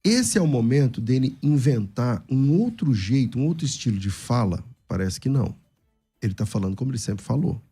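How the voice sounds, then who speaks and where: A man's voice: mid-range voice, very animated, a little fast, dark tone, slightly rough, faint music behind. A man arguing his side in a theological debate, emphatic and argumentative. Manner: emphatic, argumentative, acts out quoted speech.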